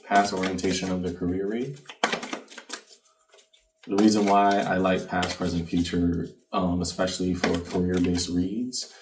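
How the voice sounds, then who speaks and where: Deep-voiced male tarot reader, roomy sound. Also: flat delivery, measured pace. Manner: reflective, speaks directly to the viewer. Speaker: tarot card reader and channel host. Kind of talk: conversational tarot reading. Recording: roomy, distant mic with background noise.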